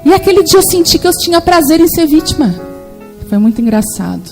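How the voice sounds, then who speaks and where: A Brazilian woman in her forties preaching a sermon with lively, animated storytelling in which she acts out the voices she quotes. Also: very high-pitched, fast, soft background music, low-quality recording. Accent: Brazilian Portuguese.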